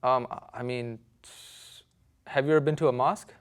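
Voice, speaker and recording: A man's voice: mid-range voice, steady tone, normal speed, clear, resonant tone. A young man in his twenties whose first language is Urdu, persistently questioning the host in a debate. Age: 20s. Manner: persistent questioning, repeats and restarts. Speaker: guest. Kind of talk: heated debate.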